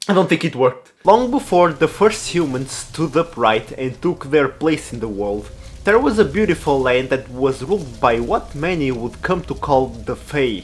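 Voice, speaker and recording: A man with a Portuguese accent, fairly high pitch and lively intonation, at a moderate pace with hardly any pauses, amid noticeable background noise. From Portugal. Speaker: gaming youtuber. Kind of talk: gameplay commentary with reading aloud. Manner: halting, stumbling over words.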